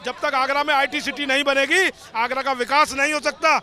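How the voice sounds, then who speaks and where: Very high, sharp-voiced man politician. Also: fairly even intonation, fairly quick. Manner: forceful, piles up demands and accusations in short bursts. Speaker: opposition politician. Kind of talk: campaign speech in a debate.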